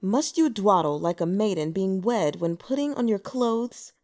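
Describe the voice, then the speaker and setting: Arrogant teasing lord, read by a woman, brisk and mocking, mellow tone. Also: mid-range voice, animated, close to an everyday voice.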